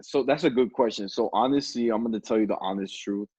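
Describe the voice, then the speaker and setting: A man's voice: fairly low pitch, fast talker, warm tone, breathy edge, no room sound. A man in his twenties on a video call, telling stories with frequent laughs. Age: 20s. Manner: storytelling, laughs often. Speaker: podcast host. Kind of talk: casual chat on a video call. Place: indoor room at home. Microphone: video call webcam.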